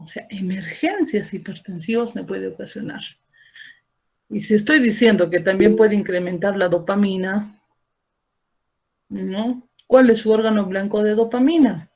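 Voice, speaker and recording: Gravelly-voiced woman lecturing students. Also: mid-range voice, a little mellow. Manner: explains step by step, checks in with rhetorical tag questions and quizzes students. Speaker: medical lecturer. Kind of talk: classroom lecture. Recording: dull lo-fi recording.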